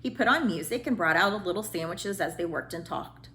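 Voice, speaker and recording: A woman narrating a children's storybook as a read-aloud storyteller, with dramatic, deliberate phrasing. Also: lowish voice, expressive, a bit bright, a little hiss or hum. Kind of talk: expressive scripted storybook narration.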